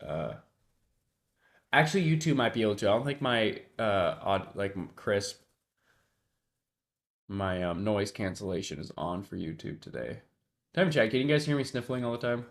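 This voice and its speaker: In a fairly low, expressive voice at normal speed, punctuated by long pauses, a congested trader chats casually on his livestream. He sniffles, talks things through aloud, speaks to his chat and often lets his words fade out.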